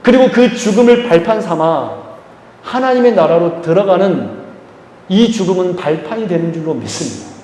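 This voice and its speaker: A man preaching a sermon as pastor, stressing phrases slowly and leading the congregation in call-and-response. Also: high voice, animated, darkish tone. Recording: echoey church hall, faint ambience.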